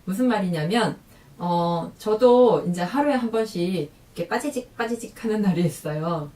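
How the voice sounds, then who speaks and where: Woman parenting vlogger, chatty and animated, roomy echo, kinda far from the mic. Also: normal speed. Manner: lively, acts out quoted lines in a higher voice. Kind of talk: casual talk to camera.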